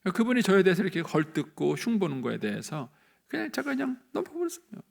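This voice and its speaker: A male pastor delivers a sermon in a church, his voice gravelly and slightly husky. He preaches in an animated storytelling way, acting out the people he quotes and leaping upward in pitch when he stresses a point. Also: fast. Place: church sanctuary.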